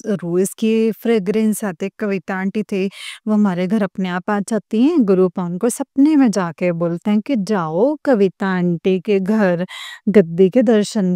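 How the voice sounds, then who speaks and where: Full of emotion, a young woman recounts a personal devotional experience to other believers, quoting conversations back and forth in her heartfelt testimony. She has a medium-pitched, dark, clean voice in a dry recording.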